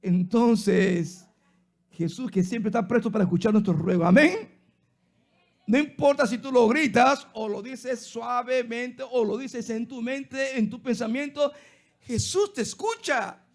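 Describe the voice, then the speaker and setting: A man with a Honduran Spanish accent, a pastor preaching a sermon slowly and acting out the Bible quotes he tells. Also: very high voice.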